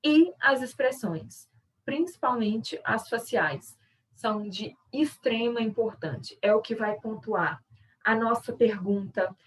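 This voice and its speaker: A woman's voice: fairly high pitch, takes it slowly, distant mic, poor audio. Brazilian woman teaching over a call. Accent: Brazilian Portuguese. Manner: explanatory, conversational, many tag questions. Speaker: sign language interpreter and workshop teacher. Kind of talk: online workshop lesson.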